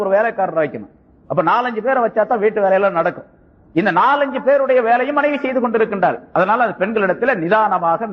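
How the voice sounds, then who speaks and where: A male preacher giving a sermon with storytelling, dropping his voice to act out quoted speech, on a dull lo-fi tape. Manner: acts out quoted dialogue in a lower voice. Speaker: Islamic preacher.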